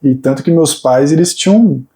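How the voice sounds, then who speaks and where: A man's voice: on the high side, moderate pace, warm tone. A man in his thirties, a fitness coach, talking earnestly about his path with many hesitant restarts. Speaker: fitness coach and PhD student guest. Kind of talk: casual interview chat.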